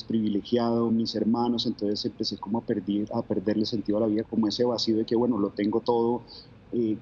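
A man's voice: mid-range voice, mellow, highs cut off, slight background noise. A man from Bogotá with a Colombian accent, a guest telling his faith story in an interview, reflective and full of fillers. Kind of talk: testimony interview.

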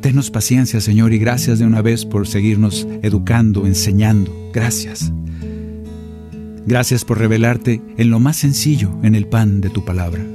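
A man's voice: fairly low pitch, moderate pace, music in the background. A man, a Catholic singer-songwriter hosting and leading a prayer reflection in a conversational way, with joking asides. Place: home recording studio.

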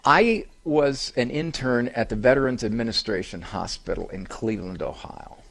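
A man's voice: medium pitch, moderate pace, vocal fry. An older man hosting a live talk show on a cruise, telling funny self-deprecating stories. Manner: animated, self-deprecating joking. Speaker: radio talk show host and psychologist. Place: live event on a cruise ship.

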